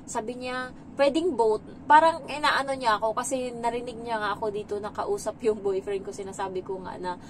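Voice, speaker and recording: Chatty Filipina helper with a higher voice. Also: female voice, fairly even intonation, brisk, background noise. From Philippines. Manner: chatty, mixes English into her talk, laughs between stories. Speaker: domestic helper. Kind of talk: casual vlog chat.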